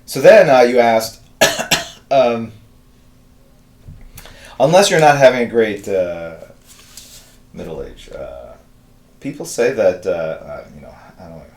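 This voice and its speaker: Man, fifties, lowish voice, casual stream host, rambling, lots of fillers, echoey room. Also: lively intonation, takes it slowly, pauses often. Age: 50s. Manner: rambling, thinks aloud with many fillers. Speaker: artist hosting a live drawing stream. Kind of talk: casual chat reading viewer messages.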